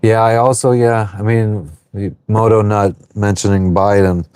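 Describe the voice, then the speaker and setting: A man in his thirties talks loosely to his livestream viewers from a sailboat at anchor, reading their comments and swearing as he goes. His voice sits a little low, and the sound is dry and close with no room around it. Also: level tone, a little slow, a little mellow, smooth, no room sound. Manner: swears freely, chatty and offhand. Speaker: livestream host. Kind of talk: casual live chat reading viewer comments.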